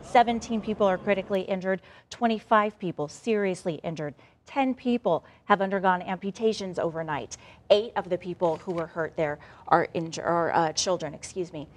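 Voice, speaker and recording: A woman's voice: fairly low pitch, normal speed. A woman anchoring a live local morning TV newscast, talking to viewers directly in a conversational way.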